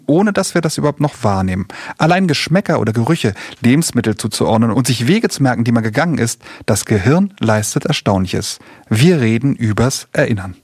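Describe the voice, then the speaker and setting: A man co-hosting a radio talk show for kids, talking in a relaxed, thoughtful way. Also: mid-range voice, breathy edge, no room sound, studio quality. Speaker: radio show host and band member.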